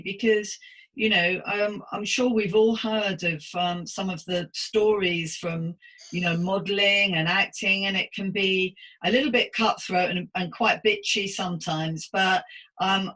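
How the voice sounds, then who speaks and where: Bright-voiced woman hosting a supportive interview. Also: mid-range voice, rough recording. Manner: effusive, gently encouraging. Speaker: podcast host and psychotherapist.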